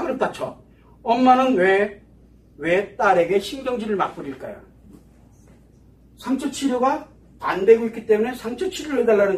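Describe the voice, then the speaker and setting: A man giving a psychology lecture to an audience, animated and full of rhetorical questions. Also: sits high. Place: lecture hall. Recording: echoey room from far off.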